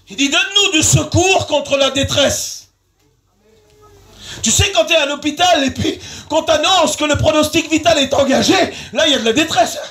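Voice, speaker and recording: High-pitched man preaching fervently. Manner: fervent, repetitive, rising into shouts and sing-song. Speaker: pastor. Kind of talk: evangelistic sermon. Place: large tent at an evening revival meeting.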